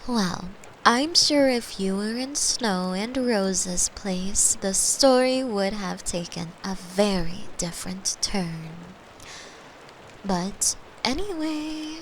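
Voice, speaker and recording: Woman as gentle girlfriend telling a very slow bedtime story. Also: medium pitch, animated, a little hiss or hum, rough recording. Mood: playful, teasing. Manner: gentle, unhurried, playful asides to the listener. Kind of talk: soft bedtime storytelling, sleep-aid roleplay.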